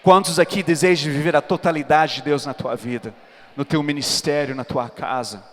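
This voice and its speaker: A man's voice: a little high, fairly even intonation, normal speed, fairly bright tone. A man preaching a personal testimony to a church congregation, speaking earnestly and with emphasis. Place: large church hall. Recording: reverberant church hall.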